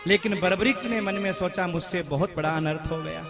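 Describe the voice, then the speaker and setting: A man's voice: sits high, fairly quick. A man preaching as a devotional storyteller, telling a scripture tale in a dramatic way, calling out to his listeners and breaking into sung verses. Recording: music playing behind.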